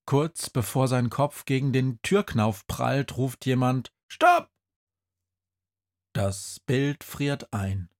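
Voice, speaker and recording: A narrator telling a children's story in a calm, measured way. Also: medium pitch.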